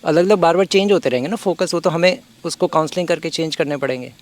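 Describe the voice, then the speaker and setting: A man's voice: on the high side, fast talker. A man, a devotee, earnestly raising questions in a spiritual discussion.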